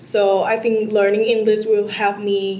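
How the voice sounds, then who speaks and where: A woman's fairly high-pitched voice at a very slow pace, with audible room echo and noticeable background noise. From Vietnam. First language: Vietnamese. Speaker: test candidate. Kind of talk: exam speaking test. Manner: halting.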